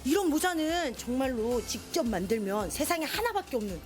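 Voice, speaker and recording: A woman's voice: high-pitched, very animated, brisk, faint music behind. A woman field reporter giving a bubbly on-location report, exclaiming often.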